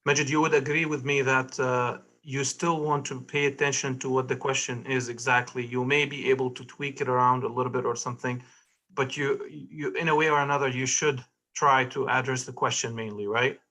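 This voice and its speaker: A man's voice: medium pitch, steady tone, fairly quick, pushed and bright. A man on a video call who steps in firmly to steer the discussion.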